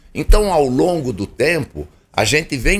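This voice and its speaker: With vocal fry and very wide pitch swings, a man speaks at a fairly high pitch. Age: 70s. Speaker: agronomist. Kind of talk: TV interview.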